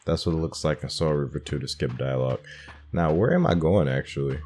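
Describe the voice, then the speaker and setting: A man's voice: a bass voice, brisk, a little mellow, slight background noise. A man giving casual gameplay commentary as host of a playthrough, hesitant and thinking aloud. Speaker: gamer hosting a playthrough.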